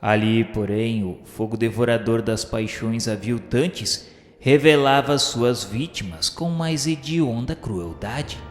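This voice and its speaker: An actor playing an earnest spirit pupil who recounts a journey in formal, literary radio drama narration. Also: male voice, mid-range voice, takes it slowly, lightly acted. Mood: sombre, descriptive. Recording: echoey hall reverb, music behind.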